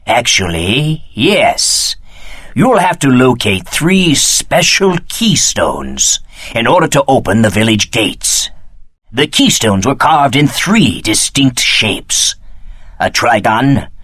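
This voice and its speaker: A grave, fretful holy man from a fantasy video game. His formal storytelling rises and falls expressively, in a mid-pitched voice recorded close and dry. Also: big pitch swings, slow, fairly bright tone, breathy edge, no room sound, exaggerated voice. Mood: earnest, advising.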